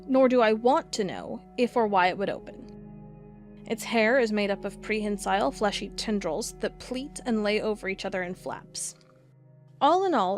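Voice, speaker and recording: An actress playing a determined, plain-spoken FBI agent in an audio drama, matter-of-fact and wry. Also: female voice, fairly high pitch, close to an everyday voice. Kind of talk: audio drama dialogue and recorded-log monologue.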